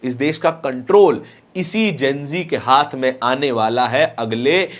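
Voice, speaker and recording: A man's voice: mid-range voice, unhurried. A man presenting political news commentary, explaining things emphatically and repeating phrases for stress.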